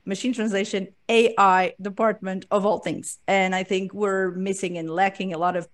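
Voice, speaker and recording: A woman hosts a relaxed podcast interview over a video call. She talks in a chatty, loose way, laughs often and trips over repeated words as she goes. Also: mid-range voice, normal speed. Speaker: podcast host. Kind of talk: casual interview chat.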